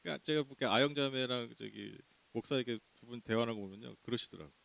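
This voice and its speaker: A man's voice: mid-range voice, fast, gravelly, a bit bright. A man preaching a sermon in a conversational way, asking the congregation questions and laughing now and then. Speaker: pastor. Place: small church.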